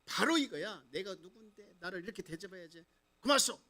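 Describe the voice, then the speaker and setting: A man's voice: high voice, animated, a little fast, bright, forceful tone. A male pastor acting out a proud, hot-tempered army commander as a quote within his sermon. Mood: boastful. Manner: grumbling, then humbled.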